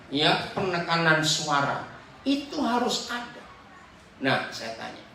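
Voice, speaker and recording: Male pastor, preaching sermon; bright animated delivery, quizzes the congregation; distant, echoey hall sound. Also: a little high, slight background noise. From Papua. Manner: lively preaching, questions the congregation, jokes. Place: church hall.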